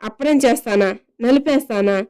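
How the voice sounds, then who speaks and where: A woman voicing a patient, amused young husband who asks gentle, puzzled questions. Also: on the high side, normal speed, smooth, no echo, clean studio sound, natural voice. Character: patient, amused young husband caring for his tipsy wife.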